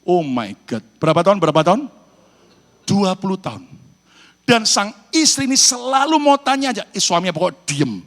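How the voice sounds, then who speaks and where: A man from Indonesia preaching a sermon as pastor, animated and calling out to his congregation. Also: high voice, normal speed. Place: church hall in New York. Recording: reverberant church hall.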